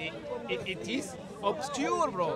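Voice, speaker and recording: Arab guy from africa, very high fast voice, broken english, noisy crowd outside. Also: sing-song. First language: Arabic. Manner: halting English, keeps repeating words, switches into Arabic. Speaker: audience member in debate. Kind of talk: heated street debate. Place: outdoors in a crowded park. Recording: outdoor crowd noise. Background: crowd chatter.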